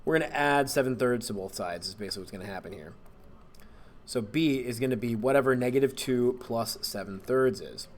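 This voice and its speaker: A man's voice: mid-range voice, fairly quick. Man talking through algebra homework. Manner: relaxed, thinking aloud, self-correcting. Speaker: math teacher. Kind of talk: homework walkthrough screencast.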